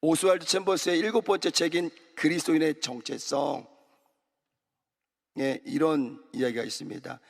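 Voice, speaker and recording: A man's voice: a little high, normal speed, gravelly. A man preaching an early morning sermon as pastor, exhorting the congregation and calling for amens and repeated phrases. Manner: exhorting, calls for amen and repetition. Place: large church sanctuary. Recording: long church hall reverb.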